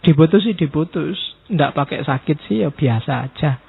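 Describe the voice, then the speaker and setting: A man lectures students in a mosque hall, teasing and casual. His voice sits a little high. The sound is thin and tinny, like a phone line. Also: normal speed, vocal fry, breathy edge. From Indonesia. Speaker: lecturer on philosophy.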